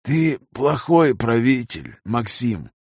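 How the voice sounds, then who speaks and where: A man voicing a calm, ruthless old patriarch in an audiobook, speaking slowly and quietly. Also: mid-range voice, breathy edge, no echo, studio quality, exaggerated voice. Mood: cold calm. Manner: slow, measured, hushed. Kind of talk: audiobook character reading.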